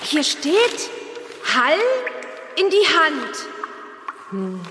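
A woman playing an eager young witch girl in a children's audio drama, with an excitable, childlike way of talking. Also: sits high, drawn-out words, soft background music, exaggerated voice. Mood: puzzled. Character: eager, bright young witch girl adventuring with her father. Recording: reverberant, noisy drama excerpt with ambience.

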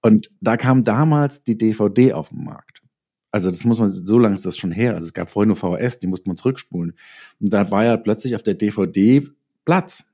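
A middle-aged author and filmmaker, appearing as an interview guest, swaps stories from his working life and acts out bits of dialogue. His voice runs low and dark, and he talks fairly quickly.

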